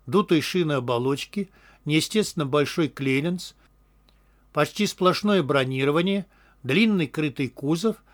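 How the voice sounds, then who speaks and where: A man reading an audiobook as narrator, in a steady, measured way. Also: a little high. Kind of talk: scripted narration.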